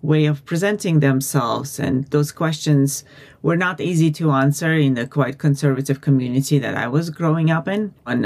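A woman's voice: very deep voice, a little mellow. A woman from Uzbekistan, a feminist consultant, answering interview questions in an earnest, reflective way with some restarts.

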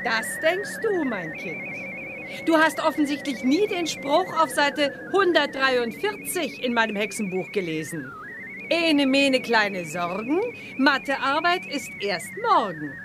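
A woman's voice: sits high, big pitch swings, slow pace, background noise, exaggerated voice. Teasing witch mother. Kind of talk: radio play acting.

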